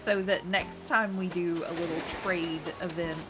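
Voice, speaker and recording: A woman chatting casually with her live-stream viewers as she plays, friendly and quick to laugh, her voice a little nasal from a cold. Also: on the low side, steady tone, low-quality recording. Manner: chatty, friendly, thanks chat often, laughs a lot. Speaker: game streamer. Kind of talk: casual live-stream chat while playing. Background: loud game music.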